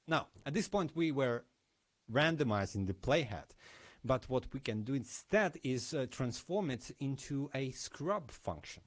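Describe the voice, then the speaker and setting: A man speaking at a conference, giving a technical lesson with explanatory commentary on live demos. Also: medium pitch.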